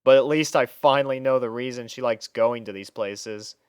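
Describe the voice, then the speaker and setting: Clear-voiced man narrating fan fiction, dry recording. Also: medium pitch, moderate pace, dry recording. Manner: conversational first-person storytelling with acted dialogue lines. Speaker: narrator and reader playing the first-person lead.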